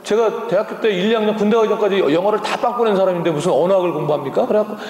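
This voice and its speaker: A middle-aged man, a missionary, preaching a sermon in a church with animated storytelling and frequent tag questions. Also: high voice, very fast. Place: church sanctuary. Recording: echoey hall with long reverb.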